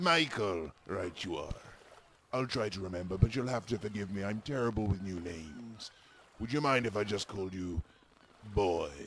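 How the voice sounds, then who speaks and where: A man uses a put-on character voice with a fairly low pitch, speaking at a moderate pace with long, frequent pauses. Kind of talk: comic sketch acting. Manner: cheery, polite, businesslike.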